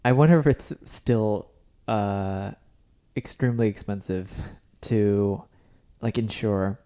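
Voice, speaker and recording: A man's voice: fairly low pitch, slow, warm tone, clean tone. A man co-hosting a casual podcast, chatty and wry, often trailing off mid-sentence. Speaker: podcast co-host. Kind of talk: casual chat.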